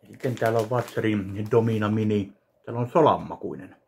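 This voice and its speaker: Low gravelly man unboxing at home. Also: darkish tone, a little hiss or hum. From Finland. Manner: slow, halting, listing items one by one. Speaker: vlogger unboxing a fan package. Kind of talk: casual unboxing commentary. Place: home kitchen indoors. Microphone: webcam at desk distance.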